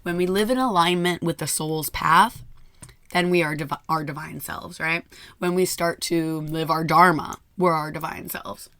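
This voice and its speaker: A hoarse woman who has nearly lost her voice gives a chatty daily tarot reading into a microphone, laughing often. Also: low voice, steady tone, normal speed, fairly bright tone, dry recording. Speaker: tarot reader.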